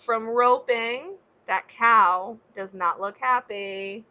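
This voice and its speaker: A woman with a slightly high voice reads a picture book to children on a somewhat muffled, lo-fi recording. She is expressive, like a teacher, and moves between the rhyming story and simple asides to her young listeners. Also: clear, resonant tone. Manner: expressive, pausing to ask young listeners questions and explain.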